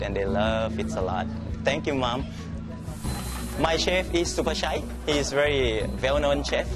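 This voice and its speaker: A man whose first language is Thai talks about his restaurant in a friendly, easygoing way, with loose grammar. Music plays clearly under his voice. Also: medium pitch. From Thailand. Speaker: restaurant owner. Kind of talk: interview. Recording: music bed behind.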